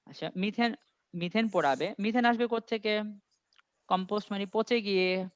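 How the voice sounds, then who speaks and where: Guy teaching ielts online, reads english real slow and keeps quizzing, dry dull lo-fi audio. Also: high-pitched, clean tone, dry recording. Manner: reads English sentences slowly, quizzes students step by step. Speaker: IELTS tutor. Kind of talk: interactive online class.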